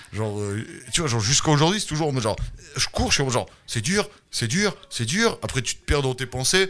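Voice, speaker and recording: A man speaks at a fairly high pitch with very wide swings in it, on a very clean recording with a silent background. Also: moderate pace. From Russia. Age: 30s. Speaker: comedian and YouTuber. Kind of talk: casual chat.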